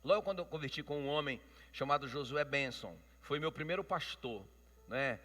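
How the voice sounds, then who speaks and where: A Brazilian pastor preaches with a bright, forceful voice, pitched a little above most men. He speaks emphatically and keeps calling out to the congregation. His voice rolls through a long church reverb. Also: animated, moderate pace. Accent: Brazilian Portuguese. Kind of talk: sermon.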